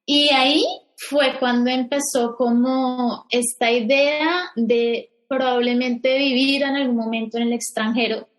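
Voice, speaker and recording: A woman from Bogotá in her thirties with a Colombian accent, telling her story as a podcast guest, often pausing and restarting. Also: high voice. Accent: Bogotá Colombian Spanish. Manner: hesitant, restarts often, animated when quoting herself. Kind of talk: casual interview storytelling.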